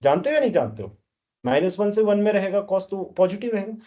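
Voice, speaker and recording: A man's voice: high-pitched, expressive, fairly quick, dark tone, muffled recording. A man teaching math to a class, scolding and quizzing the students as he goes. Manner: scolding, keeps questioning students. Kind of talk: classroom lecture.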